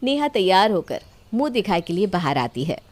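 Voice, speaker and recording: A woman's voice: mid-range voice, sing-song, moderate pace. A woman reading a scripted story as the storyteller.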